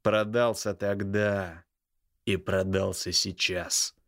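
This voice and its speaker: A seething older brother in an audiobook, voiced by a male reader close to his own low voice. He growls slow, menacing threats with open contempt. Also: flat delivery, fairly bright tone, full character voice. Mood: furious, menacing. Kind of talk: audiobook character voice.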